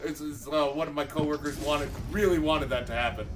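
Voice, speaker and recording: A man hosting a podcast, telling stories in a profane, animated, comedic way. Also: fairly high pitch, brisk, far from the mic. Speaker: podcast host. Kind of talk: casual comedic chat.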